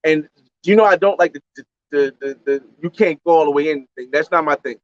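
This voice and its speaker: A man's voice: fairly high pitch, brisk, lo-fi sound. A man from the United States, a travel vlogger, telling a story in a rambling, slangy way on a livestream and repeating his phrases.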